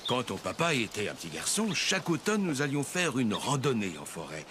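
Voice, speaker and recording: An actor playing a cheerful, kindly grandfather who explains things gently in a children's cartoon. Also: medium pitch, big pitch swings, brisk, background noise, natural voice. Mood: gently explaining. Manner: gentle storytelling. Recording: music bed under the voice.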